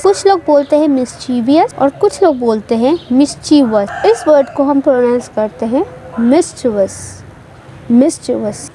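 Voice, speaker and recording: A woman's voice: high-pitched, warm tone, slight background noise. A woman teaching English pronunciation, repeating each word carefully for emphasis. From Pakistan. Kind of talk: slow careful pronunciation lesson.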